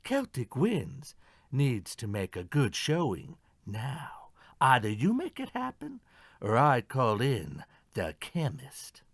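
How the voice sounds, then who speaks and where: A man's voice: mid-range voice, huge pitch swings, takes it slowly, husky, dry recording, studio quality, full character voice. A man voicing a greedy, bullying horse owner in an audio mystery play, with a demanding, threatening manner. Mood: threatening, pushy. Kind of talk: audio theatre murder mystery acting.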